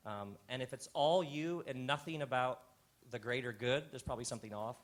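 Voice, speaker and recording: A man hosting a live stage talk, a reflective storyteller who drops soft on his key lines. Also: mid-range voice, brisk. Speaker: host. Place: live theater stage before an audience.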